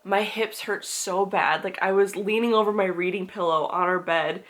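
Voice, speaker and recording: With a steady, fairly bright voice at medium pitch and a moderate pace, a young book and lifestyle vlogger talks informally to the camera. A cough and stuffy nose don't dampen her bubbly chatter, full of laughs and repeated "like"s.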